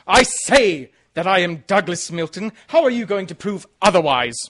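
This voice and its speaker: A man's voice: high voice, big pitch swings, normal speed, a bit bright. An actor playing a defiant male impostor villain in a radio mystery, haughty and challenging. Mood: defiant, scornful. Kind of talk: old-time radio mystery acting.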